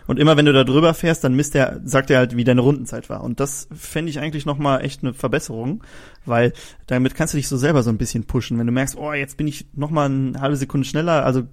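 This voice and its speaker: Fast-talking man in casual chat. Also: medium pitch, fairly even intonation. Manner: quick, loose talk with many fillers. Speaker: host.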